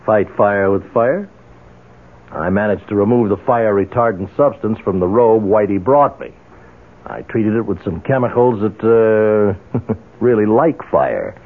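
An actor playing a shrewd, confident, dryly amused investigator in a 1970s radio drama. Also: male voice, on the low side, a little slow. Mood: wry, determined. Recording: muffled phone-like 1970s radio recording.

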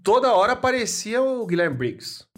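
A man's voice: very high voice, sing-song, normal speed. A young man co-hosting a podcast, chatting casually, slangy and laughing often. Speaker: podcast co-host. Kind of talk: casual chat.

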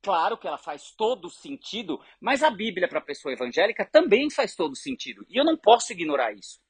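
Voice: mid-range voice, husky, no echo. A speaker who leads an education group and tells stories earnestly to make a point. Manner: earnest, animated, argues through examples. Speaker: education organization leader. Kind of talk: conversational storytelling.

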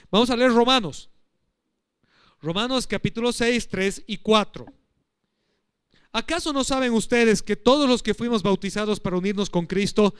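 High-voiced pastor preaching. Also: male voice, clean tone, no echo, clean studio sound. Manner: teacherly, asks the congregation questions. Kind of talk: sermon. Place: church.

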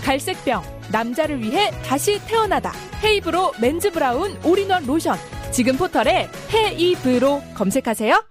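Perky young girlfriend for a commercial, high-pitched, music bed underneath. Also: very animated, normal speed. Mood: bubbly, persuasive. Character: bubbly young girlfriend pitching men's lotion in an advert. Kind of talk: scripted radio commercial.

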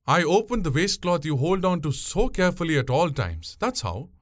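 A bold, unruffled boatwoman in an audio story, performed by a male narrator. She speaks in a raised, lively pitch with conversational, mocking scorn. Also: normal speed. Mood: cool taunting. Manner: taunting, conversational, jovial scorn.

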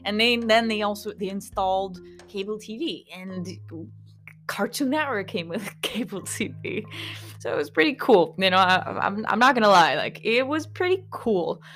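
A woman's voice: medium pitch, animated, moderate pace, a bit bright, faint music behind. A woman in her thirties from Kosovo with an American-influenced English accent, hosting a podcast in a rambling, chatty monologue full of asides to listeners. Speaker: podcast host. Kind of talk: casual reflective monologue.

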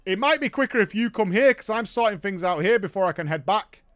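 A man's voice: high-pitched, animated, fairly quick, fairly bright tone, no room sound, studio quality. A man doing a whiny gamer bloke. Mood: pleading. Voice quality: whiny, insistent, says mate a lot. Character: pushy clueless male gamer friend, adult.

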